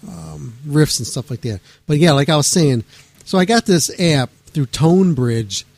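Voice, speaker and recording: A male radio host in loose late-night chat, rambling and excitable, with casual swearing and lots of restarts. His voice sits at a middle pitch. The studio sound is close and dry, with no room echo.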